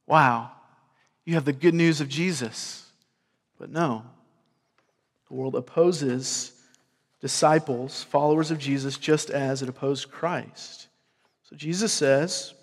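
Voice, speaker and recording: A man with a Southern US accent preaches in a conversational, earnest tone, repeating words as he works through his point. His voice sits a little higher than most men's. The sound carries a long reverb from the church hall. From grew up in California and Georgia. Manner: earnest, repeats words, asks the crowd "right?". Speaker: pastor. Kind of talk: sermon.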